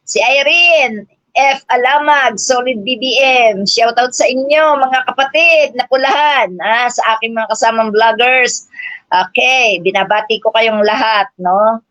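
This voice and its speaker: A woman's voice: fairly high pitch, measured pace, a bit bright, dry recording. An older woman livestreaming a combative, mocking rant, cursing often, laughing, and calling her viewers brothers and sisters. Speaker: political livestream vlogger. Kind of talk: live-stream rant. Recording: dull lo-fi stream audio.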